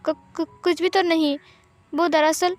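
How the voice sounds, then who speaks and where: A woman's voice: high voice, steady tone, a little slow, soft background music. A woman voicing a frightened young man who stammers and repeats syllables, in a storybook reading. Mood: scared.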